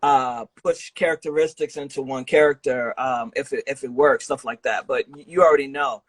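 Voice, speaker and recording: A man's voice: mid-range voice, fairly even intonation, normal speed, dry recording. A man hosting a podcast interview in a casual, slangy, informal way. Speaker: podcast host interviewing a guest. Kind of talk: casual chat.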